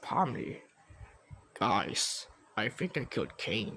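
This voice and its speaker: A man uses a put-on character voice of medium pitch at a fairly slow pace. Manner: casual, nonchalant.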